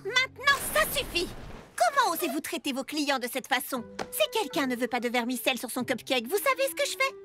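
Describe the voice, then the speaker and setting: A woman voicing a plucky, outspoken young girl baker in a children's cartoon dub, chatty and expressive. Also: high-pitched, brisk. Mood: indignant. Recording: music behind the voice.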